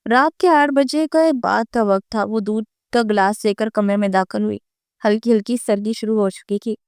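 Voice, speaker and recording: A woman reading a romance novel aloud in steady, scripted storytelling narration. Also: mid-range voice, clean tone, no echo, clean studio sound.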